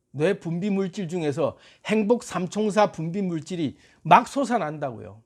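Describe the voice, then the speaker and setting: Playful, laughing man with lively pitch. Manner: playful, animated, laughs often, urging listeners. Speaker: motivational speaker. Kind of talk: motivational talk to camera.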